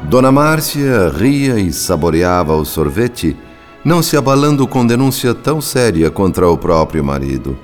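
Very deep Brazilian male story narrator. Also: very animated, moderate pace, faint music behind. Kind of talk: scripted literary radio drama narration.

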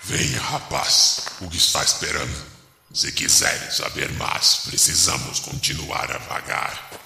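Audio drama ghost: extremely deep, slow, sardonic old cemetery guide with formal speech, drenched in reverb. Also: male voice, big pitch swings, creaky, bright, forceful tone, a little hiss or hum, full character voice. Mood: ominous. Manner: solemn, archaic formal phrasing, sardonic. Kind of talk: theatrical horror audio drama. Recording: echoey hall reverb, music behind.

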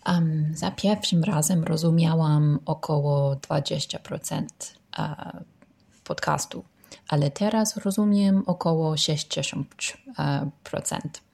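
A woman in her thirties from the United Kingdom, a native English speaker with a British English accent in her Polish, speaking haltingly in an informal self-introduction. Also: low-pitched, creaky, a little mellow, slightly rough. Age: 30s. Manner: halting, hesitant learner's delivery. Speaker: listener sending a voice message.

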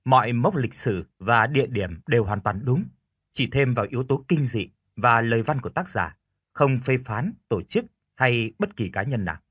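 A man narrating a scripted first-person horror story in an expressive storytelling voice. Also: mid-range voice, normal speed, husky, no room sound, studio quality.

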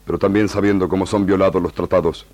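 Noble tribal leader played by a male actor, low and solemn, halting gerund-heavy broken Spanish, radio serial. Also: level tone, darkish tone, no echo, natural voice. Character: noble indigenous chieftain, grave, proud, longing for peace. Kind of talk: radio drama acting.

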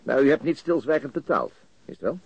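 An actor in a radio crime drama playing a calm, shrewd police interrogator with a husky voice, patient and quietly probing. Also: male voice, medium pitch, no echo. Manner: unhurried, quietly probing, understated. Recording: dull lo-fi studio radio recording.

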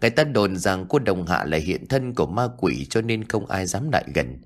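A man's voice: low-pitched, big pitch swings, normal speed. A man narrating a scripted ghost story with a dramatic, suspenseful delivery.

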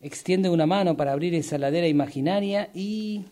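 A man's voice: high-pitched, fairly quick, dark tone, slight background noise. A man narrating a scripted radio drama.

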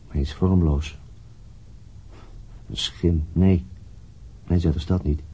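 An actor playing a brooding, dogged police detective in a radio drama, weary and musing in a halting, husky voice. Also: male voice, low-pitched, fairly even intonation, mellow, full character voice. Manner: halting, musing, muttering to himself. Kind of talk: radio drama acting with introspective monologue.

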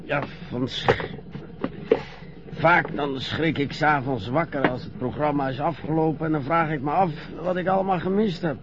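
An actor playing a frail, grumbling old former sailor who talks hesitantly and teases. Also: male voice, fairly high pitch, moderate pace, heavy background noise, close to an everyday voice. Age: older. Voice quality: gravelly, hesitant, teasing. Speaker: elderly former sailor being bathed. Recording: dull lo-fi radio play recording.

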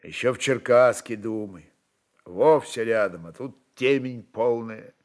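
A man narrating literary prose as an expressive storyteller. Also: medium pitch, a little slow.

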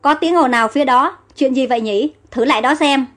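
A woman's voice: high-pitched, a little fast, faint music behind, close to an everyday voice. A woman voicing a startled court official. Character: alarmed male court official.

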